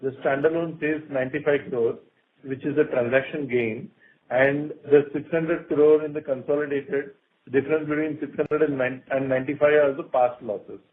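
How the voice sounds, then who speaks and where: A man's voice: on the high side, steady tone, normal speed. An Indian man, a company finance executive, giving unscripted clarifications to investors on an earnings call with some emphasis. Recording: thin, noisy conference phone line.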